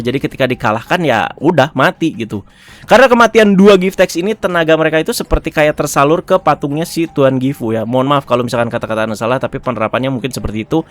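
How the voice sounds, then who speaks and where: A man's voice: fairly high pitch, dry recording. A man giving a casual, chatty review of a TV episode, often chuckling and tagging his phrases.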